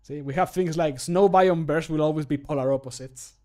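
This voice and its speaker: A man's voice: a little high, brisk, darkish tone. A man in his thirties chatting casually on a livestream from a small room at home, joking, commenting on what he does and swearing lightly. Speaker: streamer recording mod voice lines.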